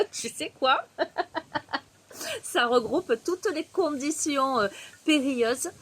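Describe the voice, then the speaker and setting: A woman's voice: high-pitched, animated, drawn-out words. Chatty southern French woman reading tarot. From Marseille, southern France. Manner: chatty, laughs often, addresses viewer directly. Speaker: tarot reader. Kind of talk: casual tarot reading vlog. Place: outdoor terrace on a windy day. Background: faint wind noise.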